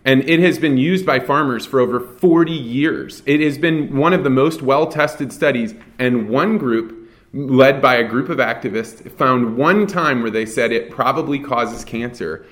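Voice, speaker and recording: A man's voice: medium pitch, unhurried, fairly bright tone. Earnest man explaining on a panel. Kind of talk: panel discussion.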